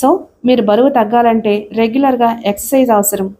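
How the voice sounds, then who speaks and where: Brief: woman audiobook narrator, fairly high, mellow voice, steady delivery. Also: fairly quick, a little hiss or hum. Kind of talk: scripted story narration.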